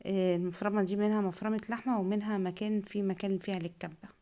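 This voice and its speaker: A woman's voice: mid-range voice, fairly even intonation, very fast, mellow. A middle-aged Egyptian woman chatting casually and rambling homely as she cooks for her vlog. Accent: Egyptian Arabic. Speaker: home cooking vlogger. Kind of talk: casual cooking chat.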